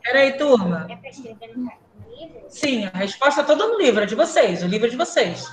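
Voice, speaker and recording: A woman with a Brazilian Portuguese accent teaching a primary class online, brisk and questioning, calling pupils by name. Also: a little high, sing-song, echoey room, crowd noise, poor audio.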